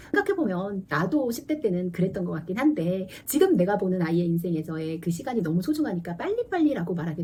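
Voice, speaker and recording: A woman in her forties, a teacher and mother, talking earnestly to camera about parenting and acting out quick exchanges with her child. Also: mid-range voice, darkish tone, breathy edge. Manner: earnest, confiding, acts out dialogue with her child. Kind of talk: casual parenting talk to camera.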